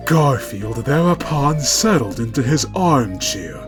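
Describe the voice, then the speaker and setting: A man reading a mock-epic scripted story as narrator, in a pompous, grandiose, deadpan manner. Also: mid-range voice, slow, over music.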